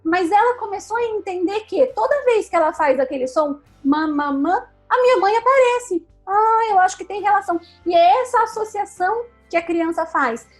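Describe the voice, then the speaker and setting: A woman with a high voice explains things patiently and step by step, as a speech therapist guest. She often checks in with a quick "né?". Soft music plays faintly underneath. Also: animated. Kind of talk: explanatory interview answers.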